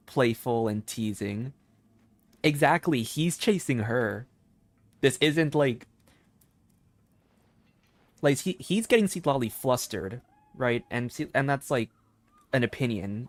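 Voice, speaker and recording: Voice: mid-range voice, no echo. A game streamer giving casual live commentary, giggly, rambling and enthusiastic.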